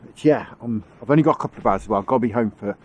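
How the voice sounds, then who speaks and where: An angling vlogger films his own fishing trip on a riverbank, chatting casually and rambling with chuckles as he goes. His medium-pitched voice is darkish and racing, nasal and bunged up from a cold. Faint wind noise runs behind this on-the-spot commentary.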